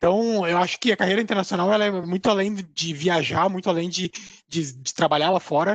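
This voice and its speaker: In a Rio Grande do Sul accent, a man talks at a fairly quick pace and high pitch with ordinary pitch variation, the sound dry and close with no echo. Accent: gaúcho (Rio Grande do Sul). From southern Brazil (Rio Grande do Sul). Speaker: admissions director giving a talk to students. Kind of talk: online lecture to university students. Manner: halting, many fillers and repetitions.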